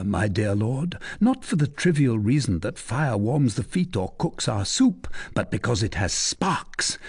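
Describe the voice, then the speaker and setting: A man's voice: medium pitch, darkish tone, breathy edge, full character voice. A man doing a wistful, dreamy poet. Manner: musing, wistful. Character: melancholy dreamy male poet, philosophical.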